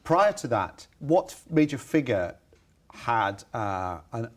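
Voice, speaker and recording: A man's voice: medium pitch, sing-song, takes it slowly. A man interviewing a comedian, asking blunt, sarcastic questions. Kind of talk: mock interview.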